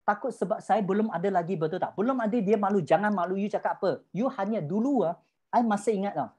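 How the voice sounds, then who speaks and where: A woman gives a motivational business talk in a mellow, warm tone. She speaks emphatically, keeps asking her listeners rhetorical questions and mixes two languages as she goes. Her voice sits at an ordinary pitch for a woman. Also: quick pace, slightly rough. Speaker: business mentor.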